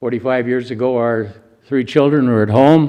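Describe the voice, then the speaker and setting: A man speaks in a dark, mellow tone. His intonation stays fairly even. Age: 80s+. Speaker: local resident speaking at public comment. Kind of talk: public comment at county board meeting.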